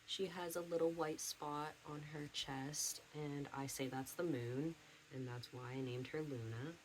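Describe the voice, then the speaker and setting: A man's voice: a little high, steady tone, unhurried, a little hiss or hum, rough recording. A young trans man chatting casually to camera from home, rambling with lots of fillers. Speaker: vlogger. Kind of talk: casual video diary.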